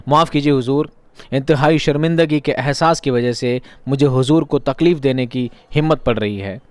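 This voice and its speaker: A man's voice: medium pitch, moderate pace, darkish tone, smooth, no room sound, close to an everyday voice. A male teacher reading the lines of a timid, over-apologetic office clerk in a classroom story reading.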